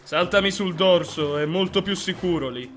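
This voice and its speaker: A man's voice: high voice, moderate pace, a bit bright, faint music behind. A man voicing a sly, cunning fox with a coaxing, falsely helpful manner in a children's cartoon.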